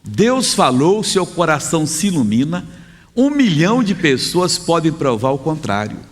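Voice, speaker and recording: Man, preacher, conversational emphatic sermon, lively rise and fall, long hall echo. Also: fairly high pitch, moderate pace. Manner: conversational, emphatic, self-correcting.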